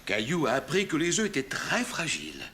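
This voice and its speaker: A man playing a kindly, forgetful old grandfather in a children's cartoon, talking gently and patiently. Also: a little high, wildly swooping pitch, brisk, slight background noise, exaggerated voice. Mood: warm, playful. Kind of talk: French children's cartoon acting.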